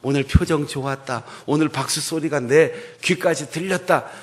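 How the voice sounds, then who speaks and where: Man as God praising, gentle, approving, calm. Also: fairly high pitch, moderate pace, voice pushed up, lightly acted. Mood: pleased. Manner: warm praising. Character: approving heavenly father, gentle.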